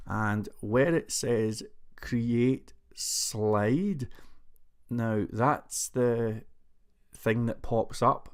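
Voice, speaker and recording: Man, screencast coding tutor, unhurried delivery, middle pitch, chatty and self-mocking. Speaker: programming tutor.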